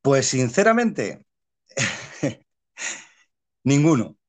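A man from Spain with a Spanish accent, a guest actor telling anecdotes in a casual interview, animated and quick to laugh. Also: mid-range voice. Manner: animated storyteller, laughs often, many fillers and repeats.

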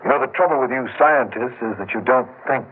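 An actor playing a blunt, stern business executive in a 1940s-style radio drama. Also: male voice, mid-range voice, fast, slight background noise, lightly acted. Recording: tinny old radio recording.

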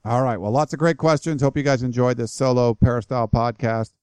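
A man's voice: mid-range voice, steady tone, a little fast, a little mellow, clear, resonant tone, no echo. A man hosting a solo sports podcast, answering listener questions in a casual, rambling way with many fillers and restarts, his voice tiring. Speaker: podcast host.

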